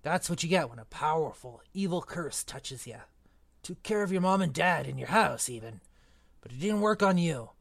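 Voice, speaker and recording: A man playing a big, gruff but kindly half-giant groundskeeper who talks in blunt, folksy, ungrammatical speech. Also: on the high side, lively intonation, normal speed, a bit bright, no echo, exaggerated voice. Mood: sad, earnest. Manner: rough folksy grammar, blunt. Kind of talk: audiobook character reading.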